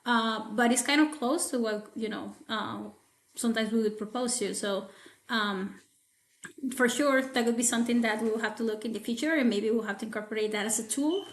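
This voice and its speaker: Slightly high woman in an echoey room. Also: brisk. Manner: thoughtful, hedging with many fillers. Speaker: guest toxicologist. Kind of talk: casual podcast conversation. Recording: roomy echo.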